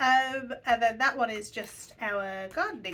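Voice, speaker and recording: British-accented speech from a woman, its pitch varying in an ordinary way. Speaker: budgeting vlogger. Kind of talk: casual talk to camera. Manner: less chatty than usual.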